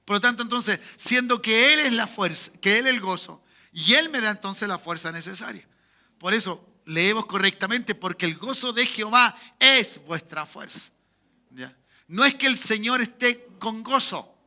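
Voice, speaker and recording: A Chilean pastor with a Chilean Spanish accent preaches from the pulpit of a church. His voice sits high for a man and rings very bright and forceful. He climbs to loud emphatic peaks, drops into quiet asides, and keeps asking the congregation for amens. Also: normal speed. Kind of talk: sermon. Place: church sanctuary.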